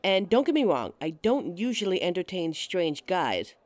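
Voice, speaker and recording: A voice actress in an audio roleplay plays a giggly, teasing date, speaking to the listener as if out with them and laughing often in a friendly mood. Her voice is fairly low and darkish, very animated, at a normal speed, with no room sound.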